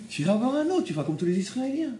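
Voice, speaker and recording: A man from France, giving a Torah class, animated and repeating phrases as he makes his points. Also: very high-pitched, very fast, over a noisy crowd. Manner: animated, repeats phrases, acts out quoted people. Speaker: religious teacher. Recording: roomy room with faint background ambience.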